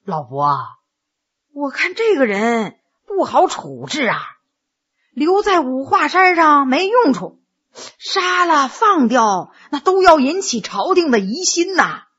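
A worried middle-aged lord , as a woman storyteller voices him, muses in a low, slow voice. It stays bright but is subdued. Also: big pitch swings, highs cut off, exaggerated voice. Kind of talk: Chinese storytelling performance.

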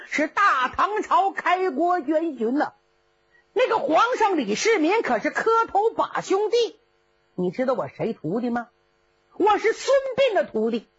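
A woman's voice: very high-pitched, a bit bright, highs cut off, pitched above the performer's own voice, full character voice. Woman doing a bragging old general. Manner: bragging, comic bluster. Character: boastful blustering old male general.

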